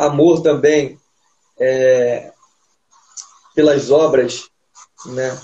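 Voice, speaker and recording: At a very slow pace, a man with a fairly high pitch speaks in a monotone, flat intonation with long, frequent pauses. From Nilópolis, Rio de Janeiro state, Brazil. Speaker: samba singer and composer. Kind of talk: casual interview.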